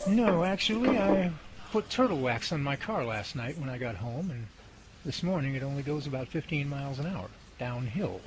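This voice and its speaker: A man's voice: medium pitch, lively intonation, moderate pace, natural voice. An actor in a hobby radio drama playing a tired, self-mocking young man who grumbles and jokes, over a noisy recording. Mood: wry. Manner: wisecracking and grumbling.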